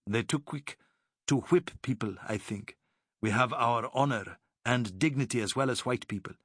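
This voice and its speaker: A man's voice: medium pitch, normal speed, dry recording, clean studio sound, close to an everyday voice. A man voicing a shrewd, proud Arab boat captain who speaks formal, broken English with courtesy.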